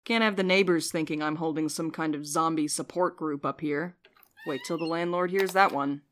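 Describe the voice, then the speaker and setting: A woman acts a jaded young female courier in a fiction podcast. Her voice sits on the low side and sounds weary. She speaks with dry sarcasm. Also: moderate pace, lightly acted. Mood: wry, weary. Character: jaded, sardonic, sleep-deprived young woman courier named Val. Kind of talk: audio fiction podcast acting.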